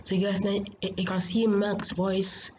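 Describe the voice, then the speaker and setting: A woman giving a casual software tutorial in a hesitant, repetitive, halting way, as a host. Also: medium pitch, flat delivery. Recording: muffled, noisy home screen recording.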